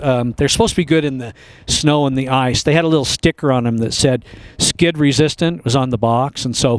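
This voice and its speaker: Dry and close with no echo, a man's fairly high voice moves at a fairly quick pace with ordinary pitch variation. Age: 60s. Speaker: comedian. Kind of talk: stand-up.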